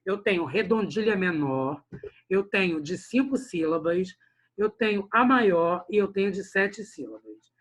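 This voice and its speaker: A man's voice: high-pitched, unhurried, a bit bright. A man teaching a literature lesson online, addressing the class directly and often checking in with short tag questions. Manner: tags sentences with "né?" and "olha só", addresses the class directly.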